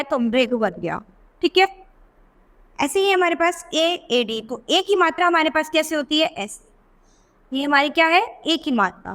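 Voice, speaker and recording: A woman teacher patiently explaining vowel signs to young children, often asking questions and drawing out sounds slowly. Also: sits high, a bit bright, in a large hall. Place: teaching video voice-over.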